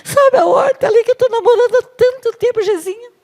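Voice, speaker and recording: A woman's voice: very high voice, a little mellow, pitched above the performer's own voice. A woman with a Brazilian accent voicing a sulking, whining biblical king who pouts and complains. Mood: whiny. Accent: Brazilian Portuguese. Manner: whining, pouting, drawn-out complaints. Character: sulking whiny biblical king, grown man.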